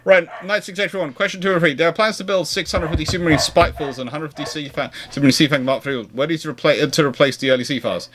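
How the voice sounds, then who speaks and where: A man's voice: on the high side, steady tone, fast talker, few pauses, background noise. A British man hosting a history question and answer chat, rambling and rephrasing as he thinks aloud. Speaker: host of a naval history question and answer show. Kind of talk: casual rambling explanatory chat.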